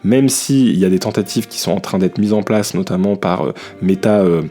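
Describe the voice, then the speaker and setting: Low-voiced French podcast host, easygoing. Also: male voice, moderate pace. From France. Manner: relaxed, loose, peppered with "hein". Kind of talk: casual tech news chat.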